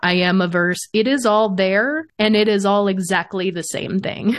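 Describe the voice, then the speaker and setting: A woman with a normal speaking voice in an American accent, medium pitch, fairly even intonation and a moderate pace, over a quiet background. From US Midwest, South Dakota. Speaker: podcast host. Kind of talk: casual chat.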